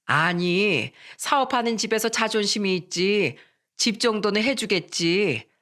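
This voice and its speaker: A woman's voice: medium pitch, expressive, a little slow, fairly bright tone. A narrator voicing a brazen future mother-in-law. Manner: brazen, condescending. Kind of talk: storybook narration.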